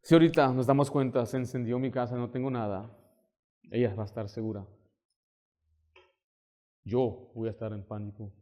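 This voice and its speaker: A man preaching a sermon as pastor in a church, telling personal stories with lively, animated delivery. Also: mid-range voice, normal speed, pauses often.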